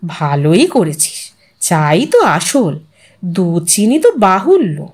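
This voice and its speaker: A woman's voice: on the low side, big pitch swings, takes it slowly, darkish tone, breathy edge, pitched below the performer's own voice, exaggerated voice. A woman reading a story, voicing a resigned, confiding elderly widow who muses wistfully. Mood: resigned, content. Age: older. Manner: wistful, confiding, musing to herself. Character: Bithi, weary resigned elderly widow in old age home.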